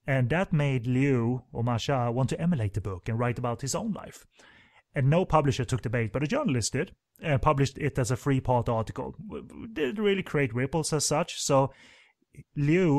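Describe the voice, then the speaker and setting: A man hosting a casual film commentary podcast, rambling with lots of fillers and restarts. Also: mid-range voice.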